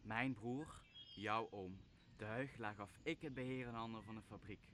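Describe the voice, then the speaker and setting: A man playing a vengeful exiled magician and father in a radio play, brooding and theatrical, with deliberate drawn-out phrasing. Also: fairly low pitch, fairly bright tone, slight background noise, natural voice. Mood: earnest. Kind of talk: Dutch radio play acting.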